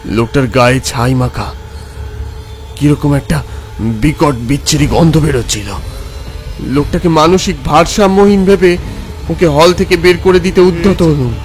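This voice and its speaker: A man's voice: fairly high pitch, normal speed, pauses often, close to an everyday voice. A man playing a frightened poor villager in a horror story, stammering and repeating his words. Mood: uneasy. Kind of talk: dramatic horror audio story acting. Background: background music.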